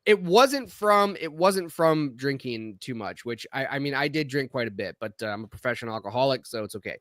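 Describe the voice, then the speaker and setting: A man with a bright, forceful voice chats casually on a podcast, his throat slightly scratchy from allergies. He rambles and restarts his sentences often. The sound is dry and close. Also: mid-range voice, animated, brisk, no room sound. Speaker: podcast co-host. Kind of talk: casual chat.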